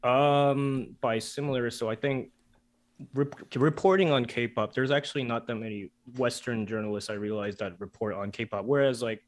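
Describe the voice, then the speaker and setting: A man whose first language is Korean, talking as a guest author in a casual interview, relaxed and chatty with many fillers. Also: medium pitch, normal speed. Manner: relaxed, chatty, frequent "like" and "you know" fillers, laughs easily.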